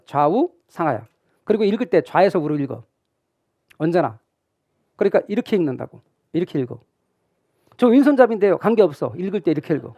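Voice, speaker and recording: A middle-aged man with a high, dark-toned voice gives a classroom lecture as a real estate exam instructor. He acts out imagined student questions, posing them to the class and answering them himself. The recording is dry.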